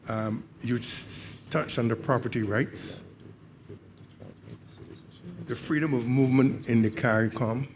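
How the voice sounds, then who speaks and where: A man's voice: mid-range voice, steady tone, measured pace, pauses often, a little hiss or hum. An older man from Barbados, raising points hesitantly at a community meeting. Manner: hesitant, many fillers. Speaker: audience member. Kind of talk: public consultation comments.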